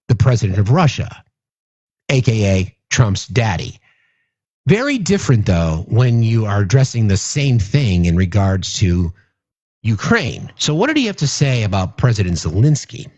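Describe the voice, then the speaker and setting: A man's voice: fairly low pitch, big pitch swings, measured pace, darkish tone, no echo, lo-fi sound. A middle-aged man hosting a political commentary show, ranting bluntly and profanely with many restarts. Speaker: host.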